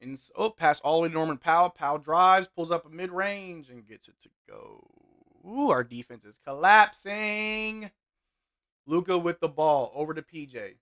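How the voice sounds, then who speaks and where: Bright-voiced young man calling a game. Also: a little high, moderate pace. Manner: play-by-play calls mixed with relaxed banter. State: voice getting hoarse. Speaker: sports watch-along streamer. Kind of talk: live game commentary and chat reading. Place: small indoor room with gaming chair.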